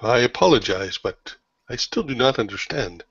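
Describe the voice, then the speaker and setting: A man's voice: mid-range voice, animated, normal speed, fairly bright tone, slightly rough, no room sound. A man voices a formal traveler far from home who speaks stiffly and with no contractions. The sound is dry and lo-fi. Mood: bewildered. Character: formal, bewildered male foreign traveler.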